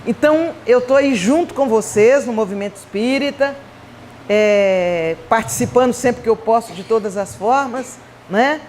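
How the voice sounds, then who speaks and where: A Brazilian woman giving a Spiritist conference talk, telling personal stories in an animated, chatty way with playful asides. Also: fairly high pitch, measured pace, slight background noise. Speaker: Spiritist speaker. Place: event hall.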